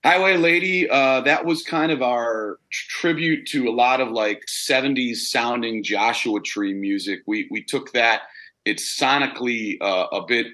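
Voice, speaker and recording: A rock singer answering interview questions in a relaxed, rambling way, with a big-sounding voice and plenty of fillers. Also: male voice, mid-range voice, unhurried.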